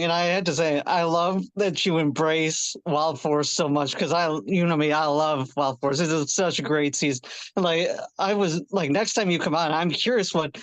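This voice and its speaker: A man's voice: a little high, fairly even intonation, moderate pace, dry recording, poor audio. A man on a fan panel chatting informally in a gushing, affectionate way. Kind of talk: casual chat.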